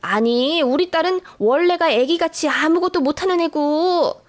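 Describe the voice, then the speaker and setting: A woman voicing a sharp-tongued older mother-in-law who scolds and nags in a storybook reading. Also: lively intonation, moderate pace. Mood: whiny. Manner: shrill, scolding, nagging.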